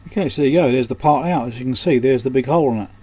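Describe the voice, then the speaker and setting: Racing along in a mellow, medium-pitched voice, the electronics repair host thinks aloud during hands-on work. His commentary is casual and unscripted, recorded against a clearly noisy background.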